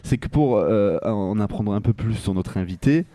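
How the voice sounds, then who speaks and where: A man's voice: on the low side, expressive, normal speed, warm tone, no echo, clean studio sound. A man hosting a radio chat, talking hesitantly with many fillers. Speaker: radio host.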